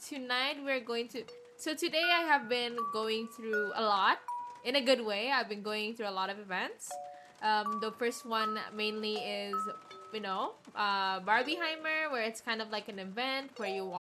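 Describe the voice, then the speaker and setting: High-voiced woman chatting over music. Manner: rambling, hesitant, halting. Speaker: livestream host. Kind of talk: casual livestream chat. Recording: music playing behind the voice. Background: clear background music.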